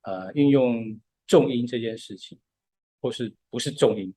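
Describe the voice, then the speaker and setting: A man's voice: medium pitch, a little slow, dark tone, husky, no echo. A man, patiently explaining music step by step in a casual podcast chat.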